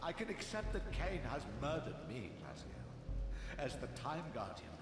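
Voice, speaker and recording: Game spirit role: sanctimonious old time sorcerer, pleading oratory with wide melodic swings, long echoing reverb. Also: male voice, fairly high pitch, huge pitch swings, measured pace, noisy background. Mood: bitter accusation. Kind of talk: scripted dramatic video game acting. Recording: echoing hall reverb under loud music.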